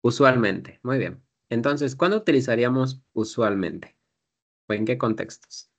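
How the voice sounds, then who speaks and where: A man's voice: mid-range voice, lively intonation, unhurried. A man teaching an English class, explaining patiently step by step and drilling pronunciation.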